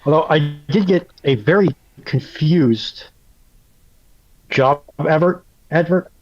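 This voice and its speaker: A man's voice: on the high side, slow, highs cut off. A man chatting as a live-stream panelist, explaining emphatically and with some incredulity through a phone mic on an online call. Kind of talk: casual explanatory chat. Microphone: phone mic on a Discord call.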